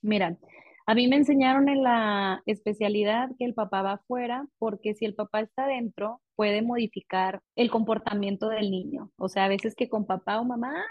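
A woman's voice: medium pitch, normal speed, dry recording. Woman, 30s, Mexican accent, pediatric dentist guest, casual and chatty, muffled dry audio. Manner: chatty, animated, acts out parents and children. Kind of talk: casual interview.

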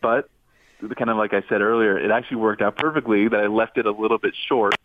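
A man in his twenties, a former quarterback calling in to a radio talk show, speaking in a halting way with many restarts. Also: fairly low pitch, steady tone, noisy background. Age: 20s. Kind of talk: casual radio interview call-in. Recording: tinny phone line.

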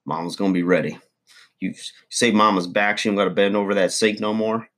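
A man's voice: on the low side, fairly even intonation, a little fast, a bit bright, lightly acted. A man playing a crude, boastful middle-aged redneck uncle, rambling folksy advice in a comedy monologue.

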